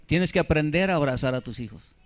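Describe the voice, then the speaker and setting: A man's voice: fairly high pitch, animated, a little fast. A man, preaching a sermon as pastor with emphasis, keeps putting questions to the congregation. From Mexico. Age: 50s.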